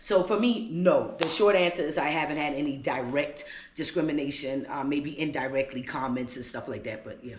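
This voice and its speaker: In a room with audible echo, a woman with a very deep, low voice speaks at a fairly quick pace with hardly any pauses, an animated tone, lively intonation, and big swings in loudness. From US South, Charleston, South Carolina (Gullah Geechee). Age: 40s. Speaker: business owner and ex-military. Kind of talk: interview conversation. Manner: animated, repetitive stammering.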